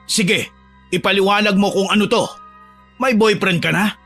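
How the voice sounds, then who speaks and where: A man's voice: sits high, steady tone, normal speed, a bit bright. A man voicing a strict, angry father scolding and threatening his daughter, over faint music.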